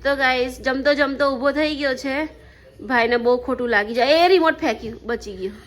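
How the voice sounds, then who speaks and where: Chatty high-voiced mother vlogging. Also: moderate pace, a bit bright. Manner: chatty, laughs often. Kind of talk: casual family vlog. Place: family home, indoors.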